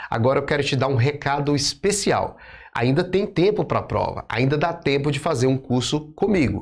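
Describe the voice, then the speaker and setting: Speaking at a moderate pace, a man uses lively intonation in a fairly high pitch. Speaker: online course teacher. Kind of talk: lecture; sales pitch. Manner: animated.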